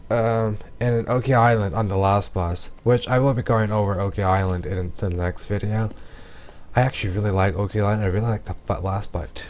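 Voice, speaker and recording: A man's voice: on the low side, darkish tone, a little hiss or hum. A man casually commentating his gameplay in a rambling way, with many ums and restarts, while losing his voice. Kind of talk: casual let's-play commentary.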